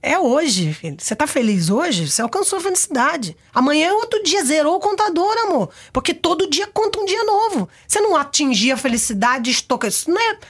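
A middle-aged Brazilian woman with a Brazilian accent, a guest on a talk show, telling stories in a lively, expressive way into a studio mic. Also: high voice, brisk, hardly any pauses. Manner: animated, expressive storyteller. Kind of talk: casual conversational interview. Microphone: studio microphone.

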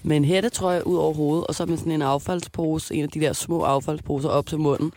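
A young woman co-hosting a radio show, telling an embarrassing story in an animated, laughing way. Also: low-pitched. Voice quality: lively, animated, laughs a lot. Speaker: radio co-host. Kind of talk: casual storytelling chat.

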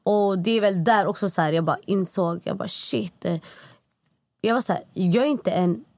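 A woman's voice: medium pitch, dry recording. Woman, casual chat guest, acts out quotes, dry close sound. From Stockholm, Sweden. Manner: animated, acts out quoted lines, drops English phrases. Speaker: guest, former reality show contestant.

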